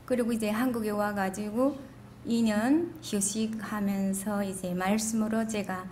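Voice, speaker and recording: A woman's voice: medium pitch, steady tone, a little slow, a little mellow. Korean-Chinese woman's testimony, slightly noisy room. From China. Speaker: seminar participant introducing herself. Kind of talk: rambling personal testimony to a group. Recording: faint background room noise.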